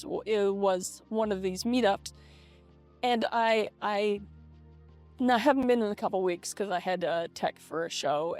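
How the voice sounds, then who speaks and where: A middle-aged woman talking casually to her vlog audience through a voice changer, reflective and halting, with repeated false starts. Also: medium pitch. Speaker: vlogger. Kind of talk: casual personal vlog monologue. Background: lo-fi video game music.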